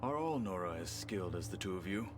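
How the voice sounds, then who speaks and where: Deep-voiced, proud tribal warrior. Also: male voice, lively intonation, fast talker. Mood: proud, appraising. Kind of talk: video game dramatic acting. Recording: music behind the voice.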